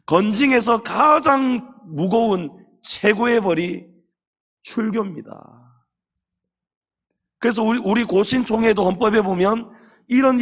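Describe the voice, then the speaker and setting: A male pastor preaching a Sunday sermon, animated, acting out little scenes of scolding elders and sulking churchgoers. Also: high-pitched. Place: church sanctuary.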